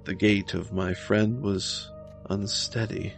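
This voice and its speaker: A man reading scripted gothic horror narration in a dramatic, measured manner. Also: lowish voice, fairly even intonation, vocal fry. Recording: music behind the voice.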